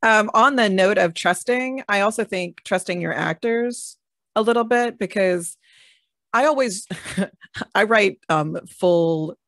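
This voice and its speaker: A woman writer with a middle-pitched voice on a dry, close recording. She talks in a light, chatty, self-amused way. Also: slow, fairly bright tone, no room sound. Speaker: audio drama writer. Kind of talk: casual panel chat.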